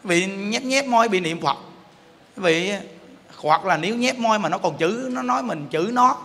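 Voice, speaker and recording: A man's voice: high-pitched, expressive, moderate pace, fairly bright tone. A man with a Southern Vietnamese accent giving a Buddhist sermon, emphatic and playful, often putting rhetorical questions to his listeners. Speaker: Buddhist teacher. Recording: long hall reverb.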